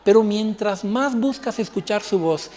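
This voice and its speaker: A man's voice: high-pitched, measured pace, a little mellow, in a large hall. A male pastor preaching a sermon, telling a personal story and acting out the dialogue. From Bolivia.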